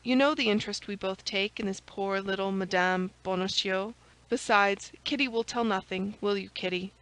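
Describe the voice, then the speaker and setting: A woman's voice: medium pitch, normal speed, a bit bright, smooth, lightly acted, rough recording. A woman voicing a confident, gallant young male musketeer in a storybook, decisive and coaxing in manner.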